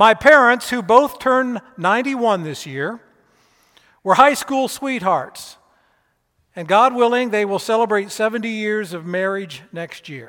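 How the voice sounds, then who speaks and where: A high-pitched man at a fairly slow pace, with lively intonation and big swings in loudness. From US Midwest (Iowa). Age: 60s. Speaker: interim minister. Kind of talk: sermon. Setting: church.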